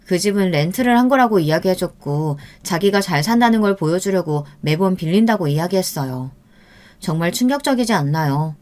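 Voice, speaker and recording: A woman narrating a true-life story in the first person, in a steady, earnest scripted reading. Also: mid-range voice.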